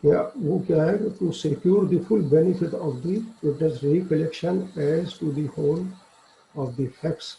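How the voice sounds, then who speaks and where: A man's voice: on the high side, drawn-out words, vocal fry, mellow, a little hiss or hum, rough recording. A man with a South Asian accent lecturing on law, reading formal text and explaining it in plain terms.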